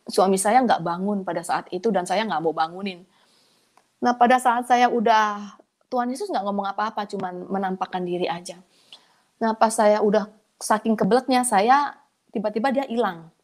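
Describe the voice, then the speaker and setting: A woman with a mid-range voice tells her personal testimony as if chatting with friends. Her delivery is colloquial and animated, and her pitch jumps sharply when the story excites her. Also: normal speed.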